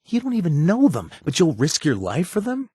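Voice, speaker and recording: A man's voice: fairly high pitch, huge pitch swings, normal speed, warm tone, breathy edge, no echo, exaggerated voice. An actor playing a playful, flirtatious male companion in a video game, recorded dry in a studio. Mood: flirty.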